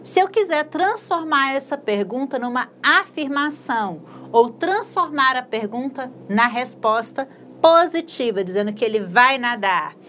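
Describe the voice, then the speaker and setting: A Brazilian woman teaching English at a slow, patient pace in a fairly high voice. She says English sentences one word at a time, then explains them in a casual, encouraging tone. Faint noise sits behind the recording. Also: expressive, fairly bright tone. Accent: Brazilian Portuguese. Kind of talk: recorded video lesson.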